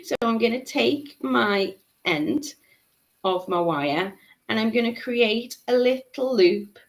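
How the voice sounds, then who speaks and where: A woman's voice: a little high, slow, poor audio. A woman, giving a live craft tutorial, chatting and laughing as she reads out viewer comments. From Liverpool, England. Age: 30s. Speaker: beading tutor.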